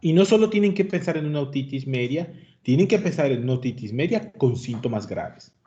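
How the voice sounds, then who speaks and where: Speaking briskly with lively intonation and a mellow, mid-range tone, a man runs an interactive medical lecture on lo-fi sound. He quizzes his students, often calling them young people, "jóvenes."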